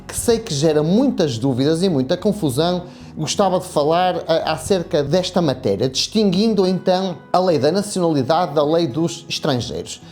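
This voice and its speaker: A woman, an immigration lawyer giving a measured explainer that poses rhetorical questions. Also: deep voice, expressive, mellow, soft background music. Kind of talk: explanatory legal video.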